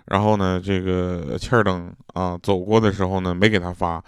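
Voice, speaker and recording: A man's voice: low voice, flat delivery, moderate pace, smooth, dry recording, studio quality. Chuckling man telling comic anecdotes. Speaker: comedian.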